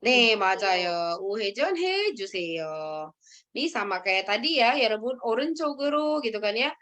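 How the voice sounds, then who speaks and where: High-voiced woman teaching a language. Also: a little fast, a bit bright. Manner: tags sentences with "ya" and calls on students. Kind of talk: online language lesson.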